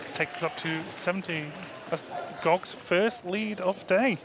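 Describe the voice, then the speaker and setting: A Welsh man on a headset mic, calling roller derby live in a chatty, self-deprecating way. His voice sits a little high for a man. The crowd and arena noise come through clearly behind him. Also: a little slow. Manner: chatty, self-mocking, anecdotal. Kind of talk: live sports commentary.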